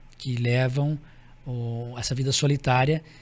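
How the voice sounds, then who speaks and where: A man at a medium pitch. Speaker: business executive. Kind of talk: interview. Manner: animated.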